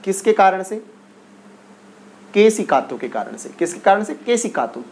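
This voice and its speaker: A man teaching an exam-prep class in a high, bright-toned voice. He repeats each question several times and keeps urging his students to answer fast. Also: very animated. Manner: repetitive, coaxing, drills questions and urges quick answers.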